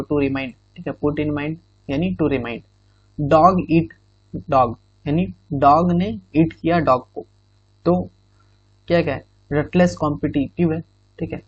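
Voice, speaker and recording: A man's voice: on the high side, fairly even intonation, takes it slowly, slightly rough, dry recording. Man teaching idioms in a dull recording. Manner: repeats "ठीक है" often, explains in Hindi with English phrases. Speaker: exam prep teacher. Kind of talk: explaining idioms to students.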